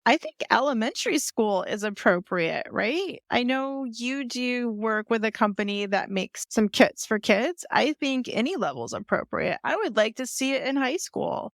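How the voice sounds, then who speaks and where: A woman's voice: fairly high pitch, lively intonation, normal speed, vocal fry, few pauses, no echo. A woman guest on a podcast, speaking earnestly and thinking aloud about her work. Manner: earnest, thinks aloud with fillers like "you know". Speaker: guest, software company founder. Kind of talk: casual conversation.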